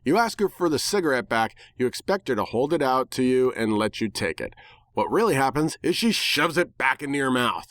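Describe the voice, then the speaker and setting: A man narrates a story dramatically in the first person, conversational and sardonic. His medium-pitched voice moves in animated swings and sounds dry and close. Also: no echo. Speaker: story reader.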